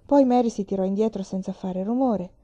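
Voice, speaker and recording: A woman reading a children's novel aloud with calm, measured storytelling. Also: mid-range voice, lo-fi sound.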